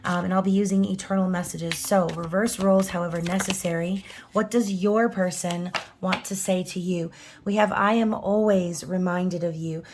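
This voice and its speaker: Woman, hoarse and raspy, giving a chatty, loose tarot reading full of "right?" asides. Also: on the low side, fairly even intonation, normal speed, darkish tone, slight background noise. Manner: chatty, frequent "okay?" and "right?" tags, casual swearing. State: hoarse, scratchy voice. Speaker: tarot reader.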